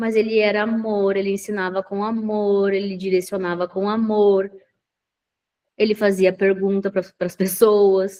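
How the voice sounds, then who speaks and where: At a fairly slow pace, a woman speaks in a dark, mellow voice of medium pitch. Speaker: women's devotional leader. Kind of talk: live devotional teaching. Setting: live stream. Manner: animated.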